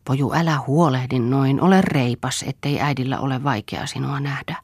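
A woman's voice: rumbling low, breathy edge, no room sound, studio quality, heavily acted. A woman reading the part of an ill young mother in an audiobook, pleading and tender.

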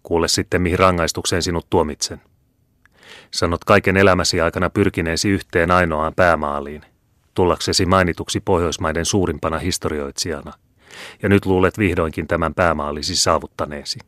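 A man's voice: low-pitched, fairly even intonation, fairly bright tone, no echo, clean studio sound. A man voicing a haughty, domineering older Jesuit superior who speaks in a scornful, commanding way in a storybook reading.

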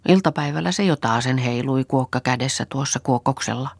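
A woman's voice: very deep voice, creaky, husky, no echo, full character voice. Woman reading a tired country woman, plain and rambling, dry close sound. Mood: weary. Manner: rambling, matter-of-fact storytelling. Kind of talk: audiobook reading.

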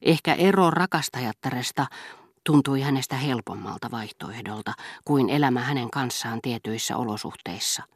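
A woman narrating a literary audiobook in a measured, even-toned way. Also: a bass voice, no room sound, clean studio sound. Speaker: audiobook reader.

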